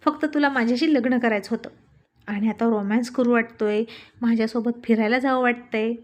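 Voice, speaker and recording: A woman's voice: a little high, steady tone, a little fast, natural voice. A woman voicing a stubborn, irritable young husband who talks in curt, scolding lines.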